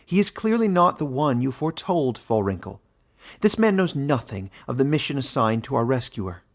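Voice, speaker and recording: A fierce black she-wolf from a storybook fantasy, performed by a man. The voice is rich and growling, with gravel in it. She speaks with command and open scorn. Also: medium pitch, sing-song, normal speed, pitched above the performer's own voice. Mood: impatient, scornful.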